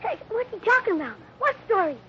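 An actor playing an earnest, excitable young cowboy boy, pleading urgently in an old-time radio western. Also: very high-pitched, a little fast. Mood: alarmed. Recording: dull old radio recording, noisy crowd behind.

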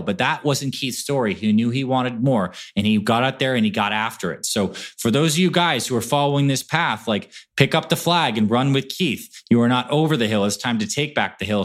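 This is a man hosting a podcast, with a voice of medium pitch. He sounds upbeat and encouraging as he talks to his audience and guest. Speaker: podcast host. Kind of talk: interview with introduction.

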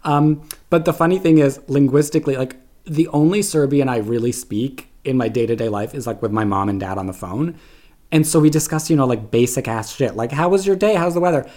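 A man's voice: mid-range voice, a little fast, darkish tone. A young man from Canada telling stories in casual podcast chat, peppering his speech with "like". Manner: chatty storyteller, constant "like". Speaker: podcast guest.

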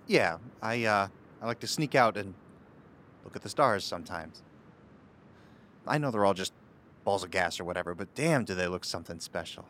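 A man's voice: low-pitched, lively intonation, moderate pace, pauses often, a bit bright, a little hiss or hum. A man voicing an earnest, hesitant young leader. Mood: wistful. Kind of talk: audio drama acting.

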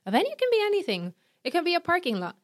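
A woman in her thirties with a Puerto Rican accent, an event planner giving chatty, energetic how-to advice with quick asides. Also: very high-pitched, dry recording, clean studio sound. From Puerto Rico. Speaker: event planner and podcast host. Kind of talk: instructional talk.

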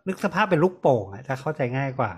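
A young man hosting a casual medical podcast, relaxed and chatty, laughing often. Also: mid-range voice, quick pace, husky. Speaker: podcast host.

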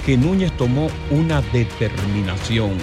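Un hombre que conduce un podcast y narra una historia con dramatismo, actuando las citas. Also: male voice, medium pitch, lively intonation, unhurried, over music. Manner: dramatic, acts out quotes. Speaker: podcast host, storyteller. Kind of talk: casual storytelling chat.

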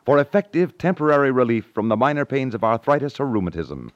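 A man's voice: medium pitch, sing-song, fast, dry recording. A man delivering a scripted commercial as a 1950s radio announcer. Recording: dry, dull 1950s radio recording.

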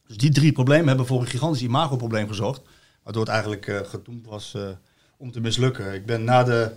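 A Dutch man in casual football chat, telling long stories with many restarts and fillers. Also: mid-range voice.

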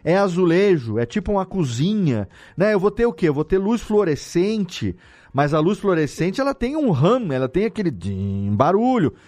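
A Brazilian man talking casually as an interviewed audio editor, explaining things in an animated way with rhetorical questions. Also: sits high, normal speed. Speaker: audio drama editor and podcast guest.

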